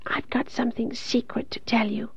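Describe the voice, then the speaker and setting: A woman's voice: sits high, measured pace, gravelly, mellow, no echo, lo-fi sound, pitched above the performer's own voice. A woman voicing a dying young woman in an audiobook, childlike, plaintive and despairing, in a thin, faint voice. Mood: weak, secretive.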